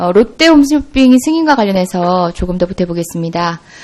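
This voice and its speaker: Noticeable background noise around a woman talking at a mid-range pitch. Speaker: lawmaker questioning officials. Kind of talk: parliamentary questioning. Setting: committee hearing room. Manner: formal.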